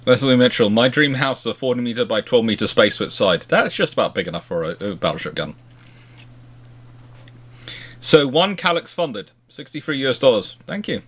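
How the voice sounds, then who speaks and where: Guy hosting a casual history q&a, mid pitched voice, kinda halting, keeps rewording stuff. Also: animated, a bit bright. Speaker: live Q&A host answering viewer questions. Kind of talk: casual naval history question and answer chat.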